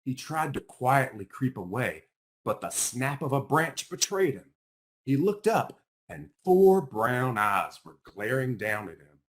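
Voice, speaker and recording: A man reading a children's picture book aloud in an expressive storytelling style, as its author. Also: mid-range voice, unhurried, slight background noise.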